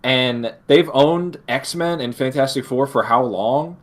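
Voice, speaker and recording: A man's voice: mid-range voice, slow pace. A man co-hosting a podcast, talking casually with strong opinions and an exasperated manner, often repeating and rephrasing his points. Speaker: podcast co-host. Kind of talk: casual opinionated pop-culture discussion.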